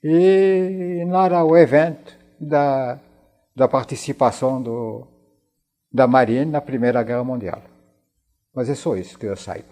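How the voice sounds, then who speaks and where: A man in his nineties from France, with a French accent, speaking Portuguese as a second language and recollecting haltingly as a veteran guest in a television interview, often repeating words and phrases. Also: mid-range voice, warm tone, faint music behind. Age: 90s.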